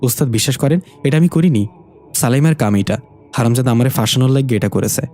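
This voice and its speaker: A man's voice: mid-range voice, quick pace, dark tone, natural voice. A man voicing a bumbling, easily scared young male sidekick who talks in a flustered, pleading way.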